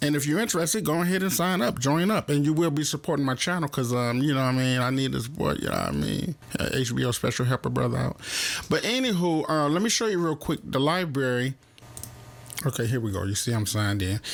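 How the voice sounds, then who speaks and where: This man speaks at a very fast pace with lively intonation and a fairly high pitch. Noticeable background noise runs behind him. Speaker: music producer. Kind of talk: tutorial. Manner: casual, laid-back.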